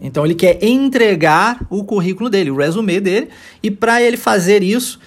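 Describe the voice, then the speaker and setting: A man with a Brazilian Portuguese accent teaching an English lesson, explaining patiently and modeling phrases slowly for his students to repeat. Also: sits high, lively intonation.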